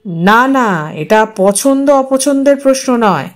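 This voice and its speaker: A woman voicing a young city husband who lowers her voice to patiently and defensively explain himself to his mother on the phone. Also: lively intonation, slow, full character voice. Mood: insistent.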